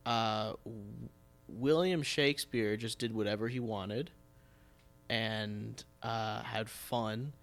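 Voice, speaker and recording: A man hosting a podcast in a casual, conversational way. His voice has a creaky, gravelly fry to it, and he talks loosely, as if chatting with a friend. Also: fairly low pitch, fairly even intonation, takes it slowly, a bit bright. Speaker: podcast host.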